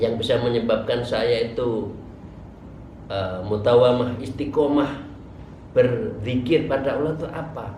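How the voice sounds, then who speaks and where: There is audible room echo and noticeable background noise. A man speaks at a fairly slow pace, medium in pitch with ordinary pitch variation. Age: 60s. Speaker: Islamic preacher and teacher. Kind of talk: religious study lecture.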